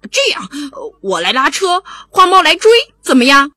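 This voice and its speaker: A loyal white horse from a children's story, hearty and keen to lend his strength, as a woman narrator puts him on. The voice is high-pitched and lively. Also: moderate pace, dry recording, exaggerated voice. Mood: eager.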